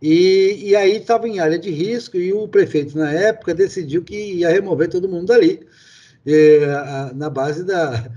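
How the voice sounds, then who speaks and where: Husky mellow-voiced man hosting. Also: high voice, normal speed, lo-fi sound. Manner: storytelling, many fillers and restarts. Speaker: host. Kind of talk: conversational interview.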